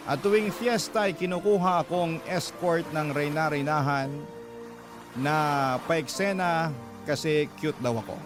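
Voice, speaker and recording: Male narrator as vain, dramatic older gay letter writer, playful and campy, higher pitch, music bed. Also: lightly acted. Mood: proud, campy. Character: vain, witty, dramatic older gay man telling his story. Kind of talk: first-person radio letter drama.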